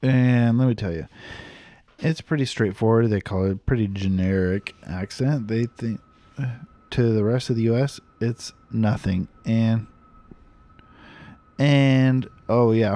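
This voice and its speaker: A man's voice: on the low side, unhurried, mellow. A man co-hosting a casual podcast in a garage, playful and joking about accents. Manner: playful, riffs on accents and voices. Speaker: podcast co-host. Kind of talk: casual chat.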